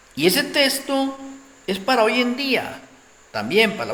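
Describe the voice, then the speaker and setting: Audible room echo, a moderate pace, and noticeable background noise. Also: man. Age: 60s. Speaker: religious teacher. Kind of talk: sermon.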